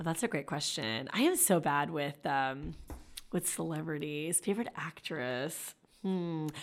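On a very clean recording with a silent background, a woman with a Florida accent speaks at a fairly slow pace in a very deep, low voice with ordinary pitch variation. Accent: American, Florida. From Orlando, Florida. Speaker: state legislator. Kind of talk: interview. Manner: animated.

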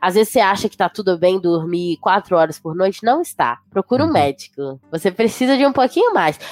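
A woman at a medium pitch talks at a fairly quick pace with hardly any pauses and very wide pitch swings, in a dry, close sound with no echo. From Brazil, Belo Horizonte, Minas Gerais. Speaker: author and pastor's daughter sharing her depression experience. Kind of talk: podcast interview, personal testimony.

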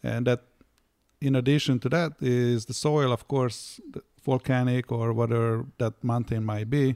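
In a Hungarian accent, the voice has a dark, mellow tone, fairly even intonation and a moderate pace, recorded with a dry, close sound and no echo. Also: man. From Hungary. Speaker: winemaker. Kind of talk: casual chat interview.

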